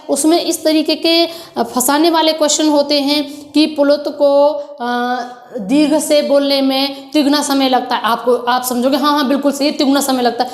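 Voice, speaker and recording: A woman's voice: high-pitched, reverberant. A woman teacher patiently explaining Hindi grammar for an exam, calling her students children and mixing in English words. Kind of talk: exam-prep grammar lesson.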